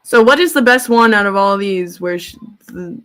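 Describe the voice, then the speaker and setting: A woman's voice: medium pitch, expressive, moderate pace, fairly bright tone, smooth. Blunt woman chatting on a livestream. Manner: informal, blunt, swears freely; rambling, thinking aloud. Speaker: live streamer, host. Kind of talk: casual livestream chat, commentary, reading viewer comments aloud.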